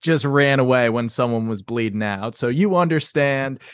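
A man voicing a calm, manipulative male professor who talks down kindly, in a dry recording. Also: mid-range voice, moderate pace, clean tone, no echo, natural voice. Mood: falsely kind.

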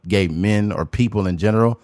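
Male podcast co-host, loose and rambling, somewhat low pitch, dry recording. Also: brisk, a little mellow, dry recording. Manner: loose, rambling talk with many "like" fillers. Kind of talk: casual podcast chat.

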